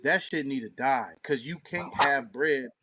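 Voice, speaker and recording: A man's voice: medium pitch, measured pace, noisy background. A man chatting casually and with strong opinions as a radio show co-host, in slangy, profane, emphatic talk.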